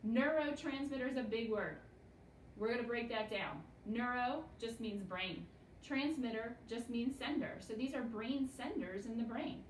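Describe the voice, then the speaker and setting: A woman teaching young students, explaining slowly and patiently, with call-and-response repetition. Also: mid-range voice, a little hiss or hum. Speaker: elementary school teacher. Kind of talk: classroom lesson video. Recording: echoey room, voice from a distance.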